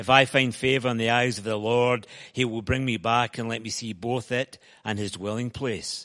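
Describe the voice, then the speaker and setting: Against a quiet background, a man with a Glaswegian accent speaks at a moderate pace and medium pitch in a bright, sharp tone. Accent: Glaswegian Scottish. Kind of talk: reading scripture aloud.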